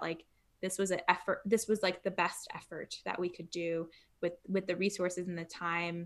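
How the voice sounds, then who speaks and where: On a very clean recording with a silent background, a woman speaks with a Los Angeles accent. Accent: American (Los Angeles). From Los Angeles, US. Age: 30s. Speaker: screenwriter. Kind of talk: casual interview conversation. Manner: laughs often, conversational.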